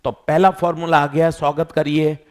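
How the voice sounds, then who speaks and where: Male physics teacher, energetic lecture delivery, asks then answers. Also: a little high, moderate pace. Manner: lively, quizzing students and answering himself. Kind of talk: classroom lecture.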